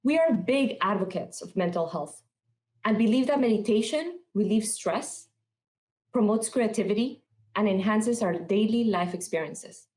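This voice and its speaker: A woman from Peru giving a rehearsed conference talk in a measured, earnest storytelling manner. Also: medium pitch, expressive, darkish tone. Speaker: conference speaker. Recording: roomy echo.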